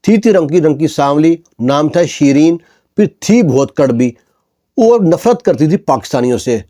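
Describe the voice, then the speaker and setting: A man narrating a story casually, with loose colloquial phrasing and frequent fillers. His voice is fairly high for a man, but dark and mellow in tone. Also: expressive.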